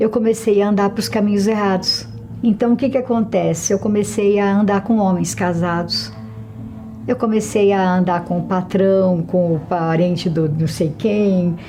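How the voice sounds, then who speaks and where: Music plays in the background. Over it, a woman speaks at a fairly slow pace with very even loudness. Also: medium pitch for a woman, ordinary pitch variation. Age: 70s. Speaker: seamstress giving church testimony. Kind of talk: testimony. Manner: casual, conversational.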